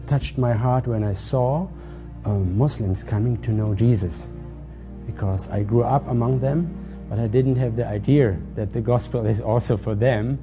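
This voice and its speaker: A man in his forties from Kazakhstan, a missionary church leader, giving a halting testimony for a ministry video. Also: fairly low pitch. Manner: halting, searching for words. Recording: music bed under the voice.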